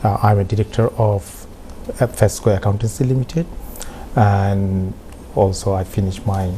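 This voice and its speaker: A man's voice: lowish voice, level tone, measured pace, warm tone. A man with a Bangladeshi accent introducing himself as a guest on a talk show, hesitant and full of "you know" fillers. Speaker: studio guest. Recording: faint background noise.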